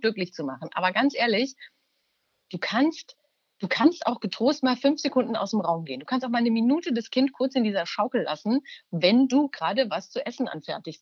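A woman in her thirties, a mother of three, chatting casually and giving frank, lively advice. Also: mid-range voice, slightly rough, no echo. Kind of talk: casual chat. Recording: slightly dull, lo-fi sound.

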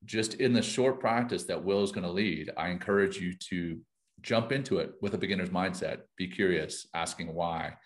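A man with a very low voice, speaking as a podcast co-host. He encourages listeners warmly, repeating his phrases to coax them along. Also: moderate pace.

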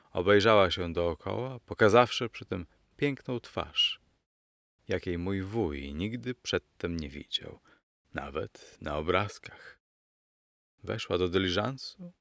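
A man narrating a story aloud in a scripted storytelling style, addressing his listeners as gentlemen. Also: low-pitched, no echo, studio quality. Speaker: audiobook narrator.

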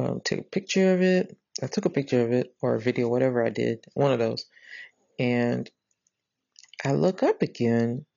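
A woman with a drawl talks casually into a close mic, her voice gravelly and full of vocal fry. She rambles earnestly and often restarts her sentences. The recording is dry and a little dull. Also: very deep voice, a little mellow, no room sound. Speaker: podcast host. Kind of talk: casual spoken retelling of a dream.

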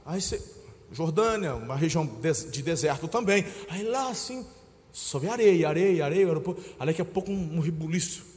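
A Brazilian man preaching a sermon, telling stories and calling his listeners brother, swinging between hushed moments and loud shouts. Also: fairly high pitch, lively intonation, fairly quick, in a large hall. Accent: Brazilian Portuguese. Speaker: pastor.

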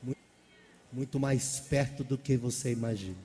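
Preacher with a mellow voice in a reverberant hall. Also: male voice, medium pitch, normal speed, slight background noise. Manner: animated preaching, calls out questions to the congregation. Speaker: pastor. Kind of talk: sermon.

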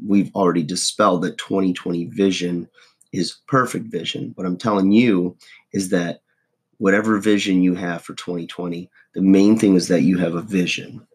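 A hoarse, husky man in his forties giving a casual, folksy motivational monologue as a host. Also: deep voice. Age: 40s. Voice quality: husky, rough. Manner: folksy, self-deprecating, checks in with "okay?" and "right?". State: hoarse voice, throat-clearing. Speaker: host of a motivational video podcast.

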